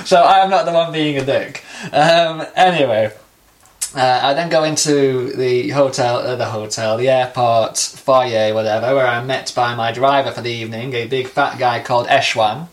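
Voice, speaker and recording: A young man tells a long travel anecdote on a casual podcast. His pitch sits in a mid range, and his manner is relaxed and easily amused. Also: moderate pace. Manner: chatty storyteller, relaxed and self-amused. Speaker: podcast co-host.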